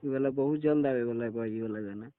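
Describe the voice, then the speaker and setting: A man's voice: medium pitch, fairly quick, smooth, dry recording. A man from Bihar with a Bihari accent, talking casually on the phone as an interviewed singer, defensive and repeating himself. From Bihar, India. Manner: defensive, repetitive. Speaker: Bhojpuri singer being interviewed. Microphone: phone call. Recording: tinny phone call recording.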